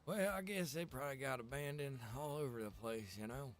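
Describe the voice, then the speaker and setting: A man's voice: medium pitch, brisk, slight background noise. A man chatting casually in character in an online roleplay game, with a folksy, easygoing way of talking. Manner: folksy, easygoing, drawling phrases. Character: Pete, friendly folksy wandering survivor in zombie roleplay.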